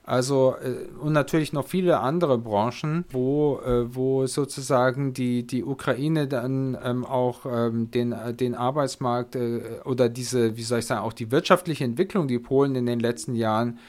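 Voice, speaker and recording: A man hosting a relaxed discussion who pauses often and searches for his words as he sums things up. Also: mid-range voice. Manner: halting, searching for words, summarizing. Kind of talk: conversational discussion.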